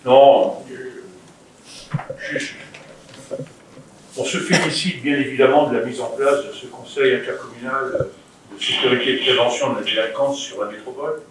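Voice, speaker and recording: A man with a French accent speaks up as a councillor in a heavily echoing room, some way from the microphone. His delivery is formal and halting yet pointed, at an ordinary pitch, with faint noise around him. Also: fairly even intonation. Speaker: local councillor responding at meeting. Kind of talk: formal political remarks at a council meeting. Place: indoor council meeting room. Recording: very echoey meeting room, distant mic, faint noise.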